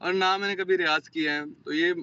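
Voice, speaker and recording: A man's voice: sits high, steady tone, fairly quick, sharp tone, clean tone, lo-fi sound. A man with a sore throat, an aspiring singer talking earnestly on a morning show over a remote link, mixing in English words. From Pakistan. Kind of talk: casual chat on a TV morning show.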